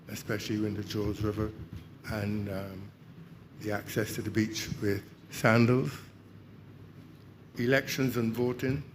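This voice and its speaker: Older man, audience member at a public consultation, low voice, halting delivery, faint room hum. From Barbados. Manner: hesitant, many fillers. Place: community meeting hall.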